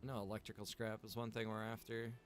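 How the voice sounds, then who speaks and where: A relaxed man talks through a survival game as he streams it, rambling and greeting his viewers by name. His voice sits on the low side. A faint hiss of noise runs under the recording. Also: fast talker. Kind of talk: casual chat while playing a game.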